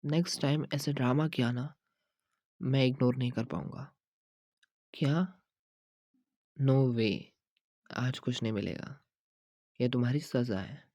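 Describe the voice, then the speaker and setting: A man speaks in a whispered role-play as a doting boyfriend, gently teasing and affectionate. He talks slowly, with a warm, dark tone. The sound is close and dry, with no room around it. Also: medium pitch, no echo. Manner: soft, affectionate and teasing, mixing in English phrases. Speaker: ASMR creator.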